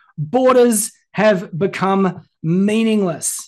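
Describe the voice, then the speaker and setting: Against a quiet background, a man talks with an Australian accent. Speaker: business coach running a sales workshop. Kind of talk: live workshop sales pitch. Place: home room.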